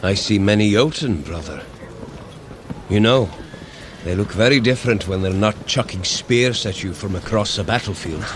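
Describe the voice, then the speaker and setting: An actor playing a hearty, impatient, good-natured warrior god in a scripted audio adventure, with blunt, theatrical, old-fashioned phrasing. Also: male voice, fairly low pitch, moderate pace, slight background noise, natural voice. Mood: wistful, curious. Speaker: fitness workout guide character.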